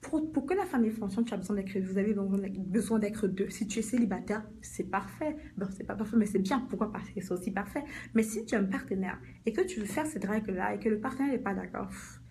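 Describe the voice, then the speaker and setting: A woman's voice: mid-range voice, animated, quick pace, few pauses, darkish tone, a little hiss or hum. A middle-aged woman, a life coach giving a motivational live talk, speaking straight to her viewers and repeating her points.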